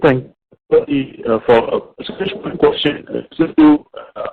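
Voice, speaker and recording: A man's voice: a little high, wildly swooping pitch, moderate pace, creaky, breathy edge. A man with an Indian accent asking questions as an analyst on an earnings call, polite and hesitant. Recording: thin, patchy phone line.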